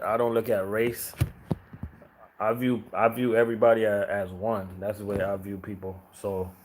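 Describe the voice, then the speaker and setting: A man's voice: fairly low pitch, darkish tone. A laid-back man from Jamaica, chatting casually and rambling to viewers on a live stream, full of fillers and repeated questions to his audience. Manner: laid-back, rambling, many fillers and "you know what I mean".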